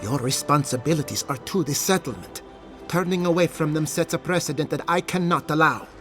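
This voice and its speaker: A man's voice: a little high, fairly quick, over music, close to an everyday voice. An actor playing a haughty, unyielding town governor, a man speaking formally and curtly in video game dialogue. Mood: stern, cold. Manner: formal, authoritative, curt.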